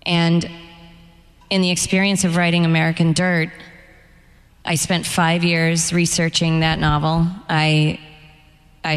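A middle-aged woman novelist speaking candidly on stage about her life and work, with wry humor. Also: low voice. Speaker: novelist being interviewed. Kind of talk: onstage author conversation. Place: event stage before an audience. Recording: echoey hall, long reverb.

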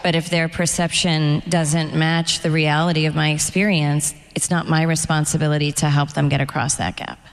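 A middle-aged woman from the United States speaks in a low, gravelly voice as the guest author at a live event. She talks in a candid, reflective way and takes her time over her thoughts. The sound carries a long reverb from the hall. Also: flat delivery, moderate pace, few pauses.

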